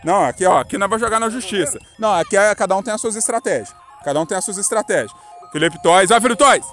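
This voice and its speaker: A man's voice: high voice, rapid-fire, soft background music. A young Brazilian man casually commentating an outdoor street football game, calling out to players and teasing them. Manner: excitable, calls out to players, playful teasing. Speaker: host and match commentator.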